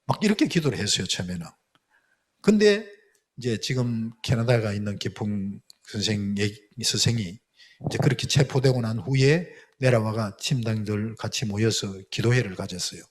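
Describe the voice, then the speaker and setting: A man's voice: on the low side, animated, normal speed. A middle-aged man, a missionary, giving a testimony lecture, telling his story with feeling and acting out prayers and quotes. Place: lecture hall.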